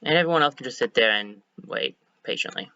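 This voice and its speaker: A slightly hoarse man streaming a game, chatting casually and thinking aloud as he corrects himself. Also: mid-range voice, expressive, fairly quick, pushed and bright, dry recording, dull audio. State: a bit hoarse. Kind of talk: casual let's-play commentary.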